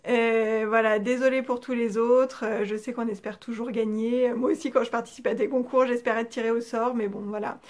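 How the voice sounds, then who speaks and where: A woman's voice: fairly high pitch, little pitch movement, normal speed, few pauses, darkish tone. A woman from France hosting her knitting vlog, chatting casually with many hesitations, speaking from home. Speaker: knitting channel host.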